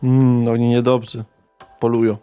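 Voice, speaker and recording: A man's voice: medium pitch, monotone, normal speed, warm tone, clear, resonant tone, natural voice. A man voicing a vain, catty, foul-mouthed vampire socialite woman in a theatrical way for a tabletop game. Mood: vain, coy. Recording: music behind the voice.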